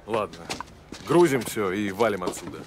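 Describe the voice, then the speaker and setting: Actor as tense old-time gangster, animated and noisy. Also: male voice, on the low side, normal speed, lightly acted. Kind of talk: dubbed crime game acting. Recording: distant game audio under loud vehicle noise.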